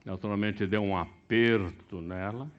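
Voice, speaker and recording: A middle-aged man from Brazil preaching a sermon, swinging between sudden loud, high bursts and quiet, low asides. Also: fairly even intonation, a little slow, dull audio. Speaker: pastor.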